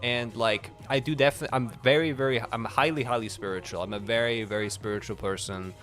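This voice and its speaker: A man's voice: mid-range voice, steady tone, quick pace, fairly bright tone, faint music behind. A young man streaming a game, telling a story in a casual, rambling way with lots of swearing and "like" fillers. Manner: rambling, profane, heavy use of "like". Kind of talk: casual storytelling while playing.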